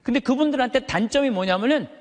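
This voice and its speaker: A male Catholic priest delivers an animated motivational sermon as a lecture to a live audience in a large, reverberant hall. His high but thick, full voice carries well, with lively intonation and a quick pace. He is emphatic, using rhetorical questions and stretched-out words for effect.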